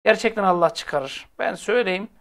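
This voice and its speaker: A man's voice: high voice, moderate pace, fairly bright tone. A man hosting a football fan channel, ranting casually to viewers in a blunt, exasperated way and repeating phrases for emphasis. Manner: speaks directly to viewers, blunt and heated.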